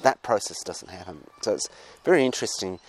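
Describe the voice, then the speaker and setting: A man with an Australian accent talks through his thoughts in a casual, meandering monologue. His voice sits very low, and he often stops and restarts his phrases. He is recorded outdoors. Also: animated. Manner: halting and digressive, restarting phrases. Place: outdoors with birds nearby.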